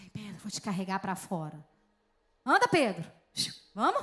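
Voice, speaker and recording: A woman with a Minas Gerais accent speaks in an animated tone at a fairly slow pace. Her pitch swings very widely on a very clean recording with a silent background. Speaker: preacher. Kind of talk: sermon.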